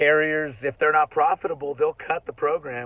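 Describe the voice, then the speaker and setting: A man's voice with ordinary pitch variation. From Mexican-American. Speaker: insurance sales trainer. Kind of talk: motivational vlog. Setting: outdoors by a lake. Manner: animated.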